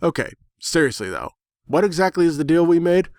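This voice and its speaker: A man's voice: a little high, brisk, no echo, studio quality, pitched above the performer's own voice. A man voicing a sarcastic, foul-mouthed, smoking pony with flippant, slangy delivery in a dramatic story reading. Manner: flippant, slangy, animated sparring. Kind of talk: dramatic reading of fan fiction.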